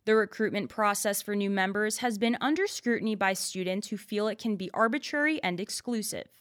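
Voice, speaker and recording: A woman's voice: mid-range voice, brisk, clear, resonant tone, no echo. Young woman reporter, dry studio sound. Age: young adult. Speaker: student radio reporter. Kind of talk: scripted news report narration.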